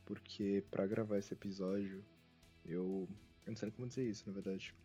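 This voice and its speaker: A man's voice: lowish voice, level tone, normal speed, dark tone. A Brazilian man hosting a casual podcast, chatting in a wry, self-mocking way. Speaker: podcast host. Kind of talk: casual humorous anime podcast chat. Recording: dull lo-fi sound, music behind.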